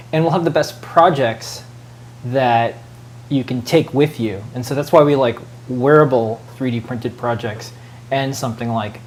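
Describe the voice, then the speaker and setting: A man's voice: medium pitch, a little mellow, a little hiss or hum. A man co-hosting a show in casual chat, rambling along with many fillers and side remarks. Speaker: show co-host.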